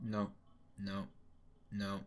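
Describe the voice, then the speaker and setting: A young man from Canada who grew up speaking Cantonese, co-hosting a podcast in casual, animated, sweary chat. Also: fairly low pitch, very slow. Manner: animated, swears freely, lots of "like". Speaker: podcast co-host.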